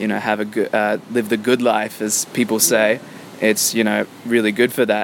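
Through noticeable background noise, a man speaks in a flat monotone. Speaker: podcast host. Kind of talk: casual interview chat. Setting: outdoors at a beach bar. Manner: casual, friendly.

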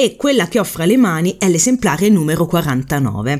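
A woman speaks with very wide swings in pitch. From Lanciano, Abruzzo, Italy. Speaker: radio host. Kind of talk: radio presenting.

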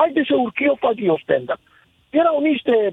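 With an Italian accent, a man speaks fairly slowly, his pitch swinging very widely. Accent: foreign (Italian). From Italy. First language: Italian (speaking Romanian). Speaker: stand-up comedian. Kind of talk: anecdote on call-in. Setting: phone call.

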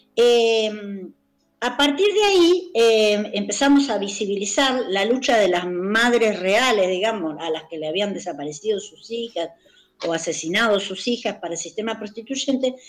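A woman with an ordinary speaking voice talks at a moderate pace. Her pitch is fairly high and her intonation is lively. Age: 60s. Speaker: dancer and choreographer. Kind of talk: interview.

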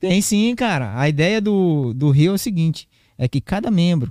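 On a very clean recording with a silent background, a man's dark, mellow voice moves at a fairly quick pace with lively intonation in dry, close sound with no echo. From Brazil, interior of Acre (Marechal Thaumaturgo). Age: 30s. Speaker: public servant and podcaster. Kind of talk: casual interview, life story.

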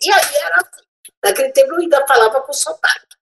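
A woman is speaking. Her pitch swings very widely. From Portugal, Leiria region, moved to Brazil at seven. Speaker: gynecologist. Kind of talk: interview.

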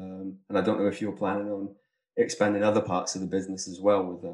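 With a Welsh accent, a man speaks at a fairly quick pace and with fairly even intonation. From Wales. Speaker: podcast host, trade journalist. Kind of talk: interview.

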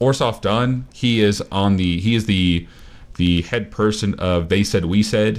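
Here a man with an American accent uses a plain, everyday voice, fairly low in pitch and fairly slow, with fairly even intonation and very even loudness. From US South. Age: 20s. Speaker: YouTube content creator. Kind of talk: casual chat.

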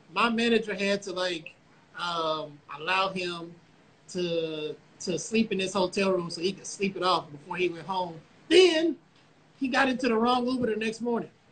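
With a high pitch and ordinary pitch variation, a man speaks at a moderate pace while noticeable background noise plays behind him. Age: 40s. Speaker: podcast host and attorney. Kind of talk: casual chat. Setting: Instagram live video.

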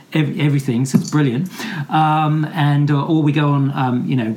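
Noticeable background noise sits behind a man's voice. He talks at a fairly quick pace with fairly even intonation. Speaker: property investor. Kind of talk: interview.

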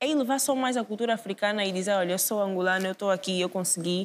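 In a very clean recording with a silent background, a woman talks in a normal speaking voice at medium pitch with ordinary pitch variation. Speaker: singer. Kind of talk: interview.

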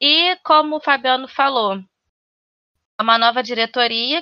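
Her pitch varying in an ordinary way, a woman with a plain, everyday voice speaks at a moderate pace. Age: 30s. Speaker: podcast co-host, journalist. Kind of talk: casual chat.

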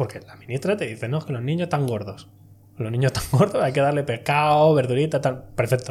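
A very fast pace, a somewhat breathy voice and big swings in loudness. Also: man, fairly high pitch for a man, ordinary pitch variation. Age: 20s. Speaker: cook. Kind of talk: casual chat.

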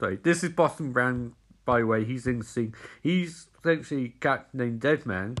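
Words delivered in a natural reading voice

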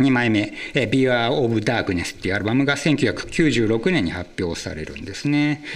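Noticeable background noise sits behind a man speaking at a moderate pace. His pitch is medium and his intonation is lively. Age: 50s. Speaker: podcast host, music expert. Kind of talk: casual chat.

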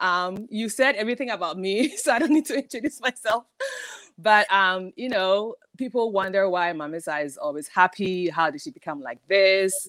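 In a Ghanaian accent, the speaker uses a bubbly, animated tone with lively intonation, big swings in loudness, and a moderate pace. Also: woman, medium pitch for a woman. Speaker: storyteller guest. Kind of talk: casual storytelling chat. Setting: live online stream. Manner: bubbly and animated.

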